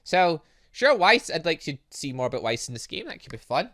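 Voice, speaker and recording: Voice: medium pitch, sing-song, fairly quick, a bit bright. A gaming video host giving rambling, off-the-cuff let's play commentary, often repeating phrases. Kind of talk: let's play commentary, reading visual novel dialogue aloud.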